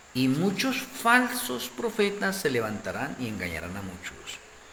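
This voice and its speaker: Over noticeable background noise and audible room echo, a man speaks at a very slow pace with very wide pitch swings. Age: 60s. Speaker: religious teacher. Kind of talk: sermon.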